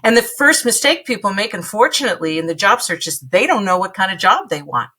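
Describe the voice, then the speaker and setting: Woman, career expert guest, punchy and emphatic, bright tense tone. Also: medium pitch, sing-song, quick pace, husky. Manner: emphatic, punchy, repeats for effect. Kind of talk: podcast interview.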